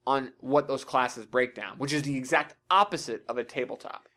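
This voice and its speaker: A man's voice: mid-range voice, normal speed, a bit bright. A man hosting a casual video game podcast, chatting in an opinionated way and swearing freely. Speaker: podcast host.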